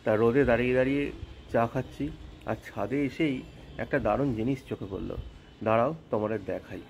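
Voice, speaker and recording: A man with a slightly hoarse voice from a cold, chatting casually with his viewers in a home vlog. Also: medium pitch, quick pace, a little mellow, slight background noise. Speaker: vlogger.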